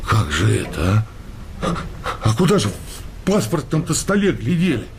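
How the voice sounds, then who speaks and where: An outraged, gravelly working-class husband. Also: male voice, medium pitch, very animated, normal speed, background noise. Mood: indignant disbelief. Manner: agitated, blustering, repetitive exclamations. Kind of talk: radio comedy play acting.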